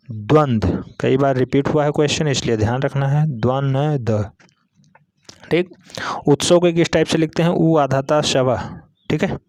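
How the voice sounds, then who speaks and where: A man's voice: medium pitch, a little mellow, no room sound, clean studio sound. A male teacher giving an exam-prep lesson, repeating each word several times and spelling it out letter by letter.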